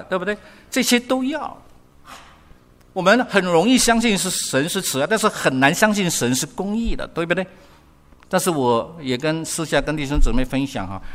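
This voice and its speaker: Older male preacher in a reverberant hall. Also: medium pitch. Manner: lively, asks the congregation questions, repeats words. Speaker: pastor. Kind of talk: sermon.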